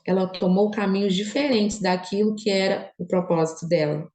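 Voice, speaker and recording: A middle-aged woman sharing a personal Christian testimony in an emotional manner, moving from quiet, low reflection to high, animated bursts. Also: normal speed, echoey room, rough recording. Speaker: children's book author.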